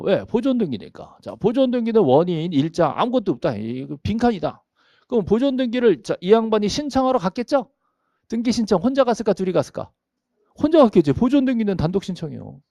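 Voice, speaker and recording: A man's voice: sits high, sing-song, fast, vocal fry, dark tone, no echo. A middle-aged man giving a classroom lecture on property registration law, asking himself questions and chuckling often. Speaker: real estate law lecturer.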